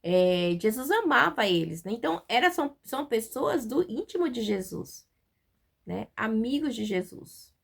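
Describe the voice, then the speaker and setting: A woman with a Brazilian Portuguese accent giving an informal devotional Bible talk, chatty, with many fillers and tag questions, and reading verses slowly. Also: fairly high pitch, very animated, vocal fry, breathy edge. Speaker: Bible teacher.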